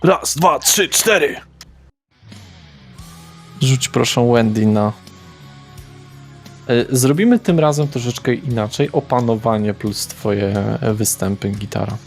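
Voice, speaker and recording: A man as game master, narrating and directing players in a brisk, matter-of-fact way. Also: medium pitch, expressive, faint music behind.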